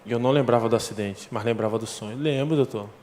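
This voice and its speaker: A man's voice: mid-range voice, fast talker, darkish tone, a little hiss or hum. Brazilian man giving an emotional testimony. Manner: emotional storytelling, acting out dialogue. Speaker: former football defender giving testimony. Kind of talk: church testimony. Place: church.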